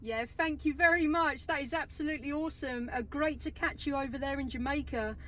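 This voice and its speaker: A woman's voice: sits high, fairly quick, pushed and bright. A woman making enthusiastic CB radio calls as a mobile operator from inside a vehicle. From England. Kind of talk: amateur radio contact calls. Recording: noisy radio hobby recording, distant from mic.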